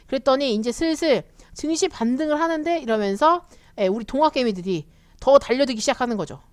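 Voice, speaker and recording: Chatty woman teaching the stock market, fairly high and very expressive voice, acts out quotes. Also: dry recording. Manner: chatty, animated, acts out quotes of eager retail investors. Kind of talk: casual explanatory lecture.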